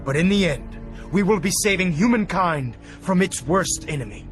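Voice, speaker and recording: A man's voice: high-pitched, lively intonation, normal speed. A man playing a stern, cold young military leader in a video game, making a solemn, declamatory speech. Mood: grave resolve. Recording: game clip under loud music.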